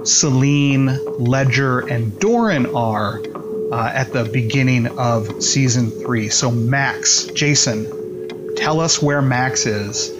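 A man's voice: medium pitch, takes it slowly. A man hosting a tabletop gaming show as game master, giving a casual introduction. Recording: slightly dull, music behind voice.

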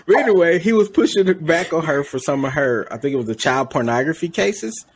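A man's voice: fairly high pitch, a little hiss or hum. A man co-hosting a podcast in casual chat, rambling and correcting his own slips with a laugh. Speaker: podcast co-host.

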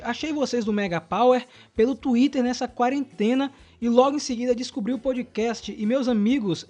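Man, Brazilian accent, podcast co-host, upbeat, high voice, faint music behind. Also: a little mellow. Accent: Brazilian Portuguese. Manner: upbeat, reads emails aloud with emphasis. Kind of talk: casual podcast chat, reading listener email.

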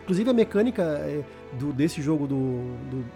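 With faint music playing behind him, a Brazilian man hosts a podcast and chats casually about video games. His voice sits on the high side, animated and warm, at a normal speed. He's slangy and tends to repeat words as he searches for how to put things.

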